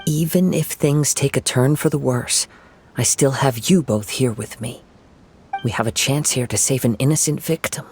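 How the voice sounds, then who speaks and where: A man voicing a calm young wandering samurai. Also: mid-range voice, gravelly, a little hiss or hum, lightly acted. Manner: calm, gentle, measured. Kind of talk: video game voice acting.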